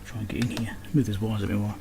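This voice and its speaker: A man's voice: on the low side, little pitch movement, quick pace. A man giving casual hands-on commentary, muttering to himself as he works at a bench indoors. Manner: muttering to himself while working. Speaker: electronics repair video host. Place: indoor electronics workbench. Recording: clearly noisy workbench recording.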